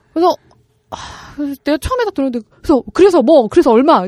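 Very wide pitch swings from a woman at a fairly quick pace, in a dry, close sound with no echo. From Gwangju, South Korea. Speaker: podcast co-host. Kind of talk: casual chat.

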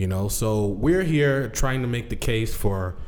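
The man's intonation is lively. He takes a fairly slow pace. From United States. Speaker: podcast host. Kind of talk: interview. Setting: studio.

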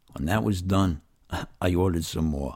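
In a very clean recording with a silent background, a man speaks at a moderate pace. His voice is very deep and low, with a dark, mellow tone. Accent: New York. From New York City. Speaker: storyteller and artist. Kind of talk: personal storytelling. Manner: conversational.

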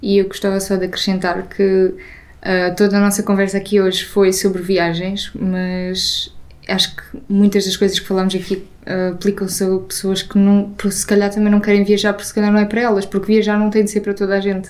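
Noticeable background noise sits behind a woman speaking. She keeps a moderate pace with monotone, flat intonation. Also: medium pitch for a woman. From Portugal. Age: 20s. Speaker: traveller. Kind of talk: casual chat.

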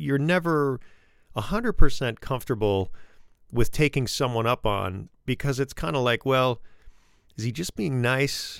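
An ordinary speaking voice from a man at medium pitch with lively intonation, on a very clean recording with a silent background. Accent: American. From US, Buffalo, New York. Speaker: podcast host. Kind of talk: interview. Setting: studio.

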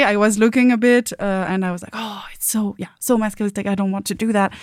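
A woman speaks in a French accent at a fairly quick pace. The recording is very clean, with a silent background. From France. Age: young. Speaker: opera and musical singer. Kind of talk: casual interview. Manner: halting.

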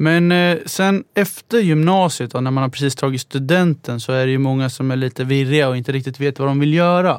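An ordinary speaking voice at a fairly quick pace, with ordinary pitch variation and hardly any pauses. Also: man, fairly high pitch for a man. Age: 20s. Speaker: podcast host. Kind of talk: interview. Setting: studio.

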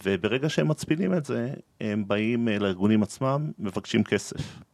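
A plain, everyday voice, a man's, at a fairly low pitch with lively intonation and a moderate pace. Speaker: cybersecurity company manager. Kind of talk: interview. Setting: studio.

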